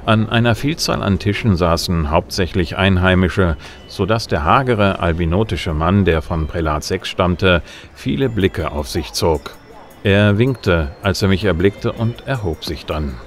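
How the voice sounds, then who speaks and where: An actor playing a self-assured, gruff bounty hunter in a science fiction radio play, dry and laconic. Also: male voice, low voice, measured pace. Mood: cool narrating. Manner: laconic, dry, noir-style. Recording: music under the voice.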